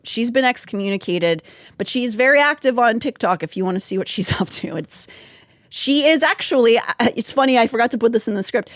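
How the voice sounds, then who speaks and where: A woman's voice: on the high side, no room sound, studio quality. A woman hosting a podcast, talking in a wry, chatty way with asides and laughs. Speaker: podcast host. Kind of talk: casual conversational podcast.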